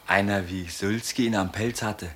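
A man's voice: fairly low pitch, steady tone, normal speed, fairly bright tone, a little hiss or hum, natural voice. A man playing an eager, plain-spoken young servant lad in a village shop, in a radio play. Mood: eager, guileless. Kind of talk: German radio play acting.

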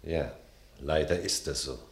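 A man's voice: extremely low pitch, a little slow. A man playing a grave, loyal royal courtier in a classical radio drama, sober and formal. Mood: resigned.

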